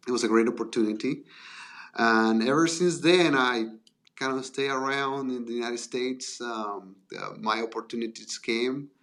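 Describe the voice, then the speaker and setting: A man from Argentina, a guest talking politely and in a measured way, pausing often. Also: mid-range voice, a bit bright. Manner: polite, measured, with frequent hesitations. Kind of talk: casual interview chat.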